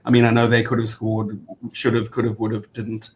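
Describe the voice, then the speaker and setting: A man giving casual post-match analysis as a fan, speaking in a hesitant, measured way. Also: monotone, darkish tone. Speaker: football fan panellist. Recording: faint rumbling background noise.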